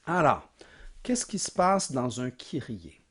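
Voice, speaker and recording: A man lectures on music history in a husky, mid-range voice. He explains step by step, poses questions to the listener and sometimes breaks into short sung examples. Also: mid-range voice, very animated, takes it slowly. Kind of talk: recorded lecture.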